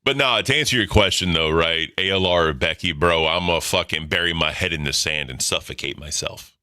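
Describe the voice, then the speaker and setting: A deep-voiced man in his thirties hosting a livestream, talking casually in a blunt, profane, rambling way. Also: fairly quick, pushed and bright, clear, resonant tone. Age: 30s. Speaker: livestream host. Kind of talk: casual chat.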